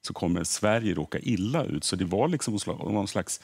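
A man's voice: lowish voice, animated, a little mellow, husky. A middle-aged man, a history podcaster, explaining earnestly in a TV studio interview and often repeating words as he thinks. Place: TV morning show studio.

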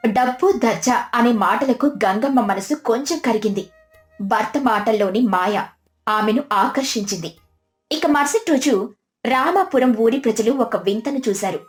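A woman's voice: a little high, animated, unhurried. A woman narrating a scripted village moral tale in storybook style. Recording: music behind the voice.

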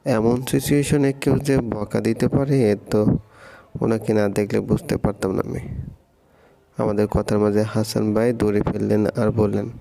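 A man with a dark, gravelly voice reads a romantic story. He delivers it in a low, level tone and takes on every part himself. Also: little pitch movement, a little slow, low-quality recording. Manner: reads all parts himself. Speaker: narrator.

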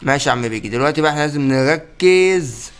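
A young man with an Egyptian accent giving excited let's-play commentary, often exclaiming and laughing. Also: on the high side, racing. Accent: Egyptian Arabic. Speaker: gaming YouTuber.

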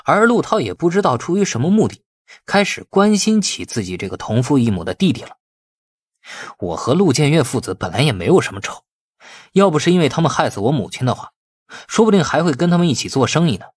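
A man's voice: fairly high pitch, big pitch swings, fast talker, husky, dry recording, studio quality, pitched above the performer's own voice. A man reading as a glib, wheedling young schemer. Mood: mock earnest. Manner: wheedling, falsely earnest. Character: glib, cunning young man feigning innocence.

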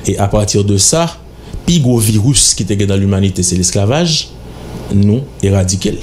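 This middle-aged Haitian-accented man has a fairly low, expressive, slightly mellow voice and talks at normal speed. Guesting on a radio studio interview, he is emphatic and insistent, lecturing into a studio microphone on a stand, with a little hiss or hum in the background.

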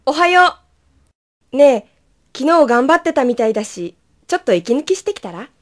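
A woman's voice: high-pitched, sing-song, moderate pace. A young woman playing a caring, cheerful university student in an amateur radio drama. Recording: clear ambient noise behind.

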